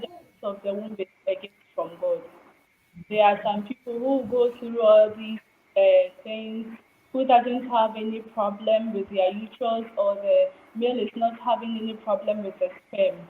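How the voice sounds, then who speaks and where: A soft-spoken woman guest on a health panel, talking quietly over a remote call. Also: medium pitch, steady tone, moderate pace, a little hiss or hum. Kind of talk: panel discussion. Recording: tinny phone-like line, echoey.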